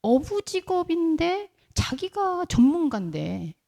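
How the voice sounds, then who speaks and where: Animated woman preaching a sermon. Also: very high-pitched, slow pace, creaky. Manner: lively storytelling with rhetorical questions to the congregation; briefly acts out quoted voices in the middle of speech. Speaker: pastor. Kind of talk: conversational sermon.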